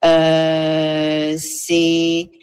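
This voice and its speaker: Woman guest, low-pitched, earnest and halting. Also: monotone, a little mellow, clean tone. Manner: earnest, halting, with many fillers. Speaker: guest, seniors' association representative. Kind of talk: radio interview, advocacy.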